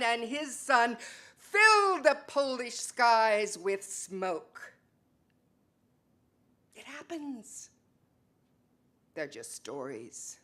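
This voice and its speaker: A woman's voice: mid-range voice, pushed and bright. A woman playing a sorrowful old male Jewish ancestor, telling stories solemnly in a dramatic monologue. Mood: mounting anguish, then bitter irony. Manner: solemn, incantatory, rising repetition.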